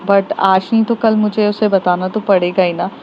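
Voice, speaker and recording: A woman voicing an anxious young woman worried about her hurt best friend, asking hurried questions, on a slightly dull recording with faint traffic behind. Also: medium pitch, steady tone, lightly acted.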